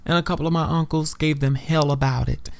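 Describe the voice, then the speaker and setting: A man's voice: a little high, fairly even intonation, a little fast, vocal fry. A man voicing a romantic, hopeful trans woman in her late twenties, sweet and sincere, in an audio drama. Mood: hurt but hopeful.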